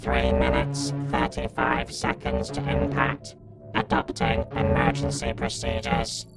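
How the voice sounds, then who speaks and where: Emotionless robot invader, very slow, mechanical clipped reports, processed gravelly tone, sci-fi audiobook, prominent music underneath. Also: male voice, mid-range voice. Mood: cold, urgent. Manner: clipped, monotone, mechanical delivery of short reports. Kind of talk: science fiction audiobook character acting. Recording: loud music behind.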